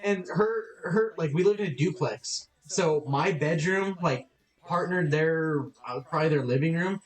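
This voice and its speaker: A man's voice: on the high side, unhurried. A young man hosting a casual podcast chat, laid-back, filling his talk with "like" and "dude". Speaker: podcast host. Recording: echoey playback in the audio.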